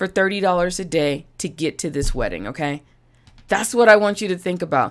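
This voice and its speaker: With an animated tone, a woman speaks at a fairly quick pace in a fairly low pitch, showing ordinary pitch variation. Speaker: personal finance livestream host. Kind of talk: live stream talk to viewers. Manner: fast.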